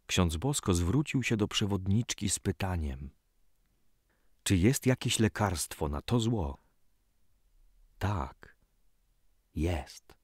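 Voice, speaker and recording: A man with a low voice narrates a scripted story like an audiobook. His delivery is unhurried and measured, with a dramatic storyteller's touch. The recording is dry and close. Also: expressive, breathy edge, no room sound. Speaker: narrator reading a religious story.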